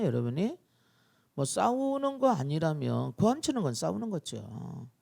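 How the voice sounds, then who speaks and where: Man, pastor, sermon, gravelly, lively swooping pitch. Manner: animated storytelling, acts out scenes. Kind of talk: live dawn-prayer sermon.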